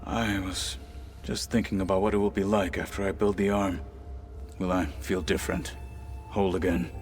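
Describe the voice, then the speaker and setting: An actor playing a stern, one-armed tribal warrior who speaks in a formal, measured way in a video game cutscene. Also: male voice, sits low, flat delivery, darkish tone, soft background music, natural voice. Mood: reflective.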